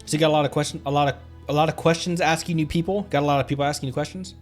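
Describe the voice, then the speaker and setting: A man's voice: on the high side, steady tone, rapid-fire, faint music behind. A man streaming a video game, casually thinking aloud and joking about what he sees.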